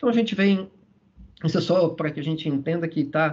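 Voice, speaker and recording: A man speaks in a somewhat breathy voice. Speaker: spiritist lecturer. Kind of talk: lecture.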